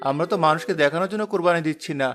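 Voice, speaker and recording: A man as a gentle, humble poor father. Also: fairly high pitch, rapid-fire, music in the background, close to an everyday voice. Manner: calm, gentle, reassuring. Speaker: day laborer father. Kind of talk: cartoon voice acting.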